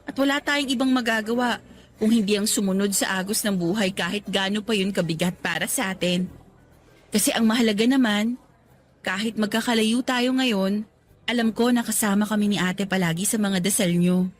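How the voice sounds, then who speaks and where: A woman playing a sweet, homesick young worker in a radio drama, gentle, polite and earnest. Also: mid-range voice, normal speed, a little hiss or hum, natural voice. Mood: gentle, resigned. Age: young adult. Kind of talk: Tagalog radio drama acting.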